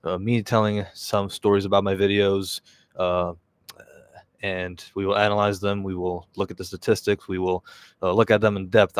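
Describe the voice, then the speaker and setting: A young man of about twenty talks casually to his live stream viewers. His voice sits low and sounds smooth and clear, in a dry space. He rambles, filling pauses with "uh" and correcting himself mid-sentence. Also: no room sound. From Czech Republic. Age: around 20. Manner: rambling, with many fillers and self-corrections. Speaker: YouTuber hosting a live stream.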